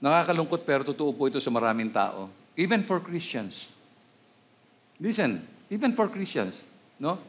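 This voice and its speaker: A man's voice: medium pitch, very animated, a little fast. A man with a Filipino accent preaching a sermon as pastor, mixing in English and rising into emphatic questions.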